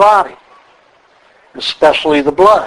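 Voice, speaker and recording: His pitch sits high for a man. He keeps fairly even intonation at a moderate pace. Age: 50s. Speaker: raw food diet teacher. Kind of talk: workshop lecture.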